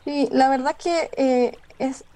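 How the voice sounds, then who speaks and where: Mellow-voiced Chilean woman, halting. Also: sits high, steady tone. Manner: thoughtful, halting with many fillers and restarts. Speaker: biologist guest. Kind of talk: radio interview conversation.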